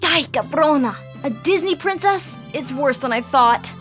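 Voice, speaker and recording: A sardonic teenage Latina girl in an audio drama. Her high voice swings widely with rebellious attitude, over a music bed. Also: animated, measured pace, fairly bright tone. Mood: sarcastic, eager. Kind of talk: audio fiction drama acting.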